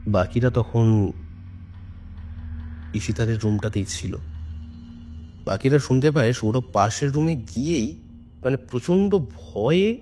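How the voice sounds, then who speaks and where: In the style of a ghost story podcast, a man shares a tale in a relaxed, conversational tone that keeps the tension up. His voice sits at a medium pitch with a slight mellowness, and music plays behind him.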